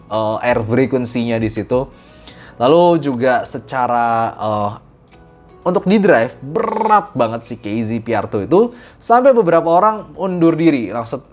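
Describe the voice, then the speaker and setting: A man from Indonesia giving a casual, animated spoken review of audio gear, mixing in English phrases. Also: mid-range voice.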